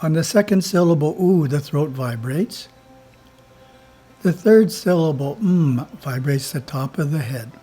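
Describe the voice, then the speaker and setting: A man who is a spiritual teacher reads his editorial in a slow, measured way and chants Om between the passages. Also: on the high side, lively intonation, mellow, slightly rough, faint music behind.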